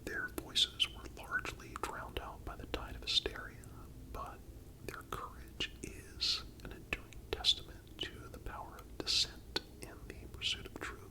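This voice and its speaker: Whispered, breathy ASMR narrator. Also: rough recording. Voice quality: breathy unvoiced whisper throughout. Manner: calm, measured, deliberate phrasing. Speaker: narrator and channel host.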